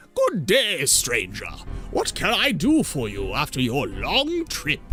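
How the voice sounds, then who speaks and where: Someone uses a put-on character voice at a fairly slow pace. Clear music plays in the background. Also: man. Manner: funny put-on voice.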